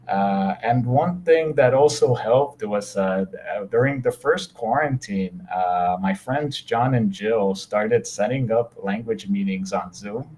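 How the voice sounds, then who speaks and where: A man's voice: fairly low pitch, measured pace, few pauses, darkish tone. An American man, a guest in a casual live-streamed interview, speaking easily with many fillers and switching into Portuguese at times. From United States.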